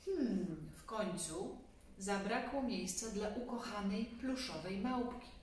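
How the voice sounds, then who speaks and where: Unhurried woman reading to children, echoey room. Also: mid-range voice. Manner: expressive, addresses children directly. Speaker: storybook reader. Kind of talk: children's story reading with casual asides. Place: small indoor room, seated on a sofa. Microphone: camera a few metres away. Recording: very echoey room, distant mic, faint noise.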